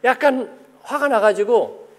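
A man's voice: extremely high pitch, unhurried. A male pastor giving a conversational sermon, often asking the congregation questions and acting out the people he describes. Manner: animated, asks the congregation questions; acts out the people he quotes. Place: church sanctuary. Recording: long church hall reverb.

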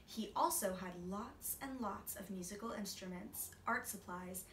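A woman in her twenties gives an expressive children's read-aloud. Her voice is bright and medium in pitch. The room is audible around her, with faint noise. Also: measured pace, recorded from a distance. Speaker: storybook reader. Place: small indoor room, seated. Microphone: camera a few feet away. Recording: roomy, off-mic, faint noise.

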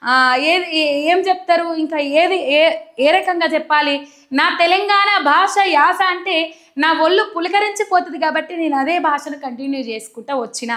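Young telangana woman ranting earnestly to camera, very high voice, telangana telugu accent. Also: sharp tone. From Telangana, India. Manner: earnest, emphatic, colloquial. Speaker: political commentator. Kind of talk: direct-to-camera commentary.

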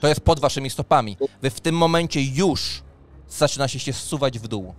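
A man's voice: medium pitch, normal speed. A man in his thirties works as game master, narrating a role-playing session into a close microphone. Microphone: close studio microphone on a boom arm, headphones. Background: faint background music.

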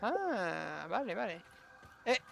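Gravelly Spanish gamer muttering along. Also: male voice, high-pitched, sing-song, slow, music in the background. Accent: Spain Spanish. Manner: mutters to himself, bursts into exclamations. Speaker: gaming streamer. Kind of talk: let's-play commentary.

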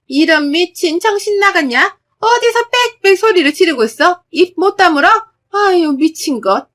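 A woman voicing a shrill, contemptuous older mother-in-law who screeches and scolds. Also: animated, normal speed, a bit bright. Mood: screeching.

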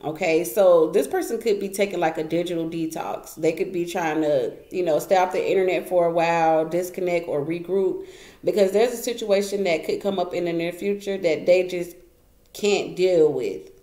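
Woman, casual tarot reader, low-ish voice, emphatic and repetitive; roomy echo, light background noise. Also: normal speed, dark tone. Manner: chatty, emphatic, repeats phrases, laughs often. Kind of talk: casual tarot card reading. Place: indoor room at a wooden table. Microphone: camera pointed down at the table, speaker off frame. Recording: echoey room, faint noise.

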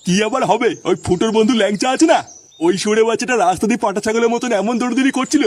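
A man's voice: very high voice, racing, slight background noise. A man voicing a foul-mouthed, hot-tempered husband in a comedy cartoon, complaining crudely. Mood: grumbling, irate.

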